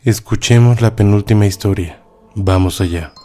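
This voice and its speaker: Mellow low-voiced male story host. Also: moderate pace, soft background music. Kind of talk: scripted narration.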